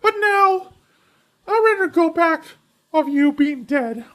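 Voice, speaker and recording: Woman voicing a squeaky dramatic cartoon girl. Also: animated, slow, heavily acted. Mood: hesitant. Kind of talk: cartoon parody voice acting.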